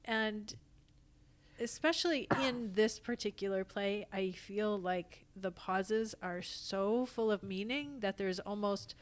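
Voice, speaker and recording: Female podcast guest, medium-pitched, conversational and reflective, explaining ideas informally. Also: slow. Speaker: podcast guest, stage actor. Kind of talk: casual interview conversation.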